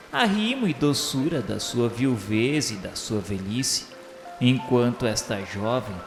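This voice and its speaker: Slow, solemn Brazilian male narrator with echo. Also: mid-range voice. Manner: formal, measured, declamatory. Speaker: narrator of a radio novel. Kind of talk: solemn dramatic literary narration of a spiritist novel. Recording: echoey voice over background music. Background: music.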